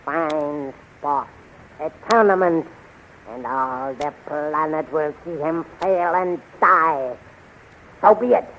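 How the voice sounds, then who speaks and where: Slow, imperious villain emperor. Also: male voice, fairly high pitch. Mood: gloating. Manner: commanding, menacing, deliberate. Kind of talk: 1930s radio serial acting. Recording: muffled, noisy 1930s radio recording.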